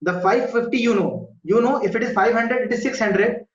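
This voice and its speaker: With a very high voice at normal speed, a South Asian-accented man teaches school maths in an online class. His explanations go step by step, he repeats himself, and he checks understanding with short questions. The online video class, held in an indoor room, has muffled, echoey audio.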